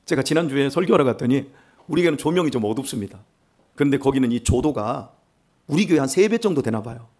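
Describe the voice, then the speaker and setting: An older male pastor with a Chungcheong accent preaching a sermon in church, animated and self-mocking with humor. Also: mid-range voice, fast talker. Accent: Chungcheong Korean. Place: church sanctuary.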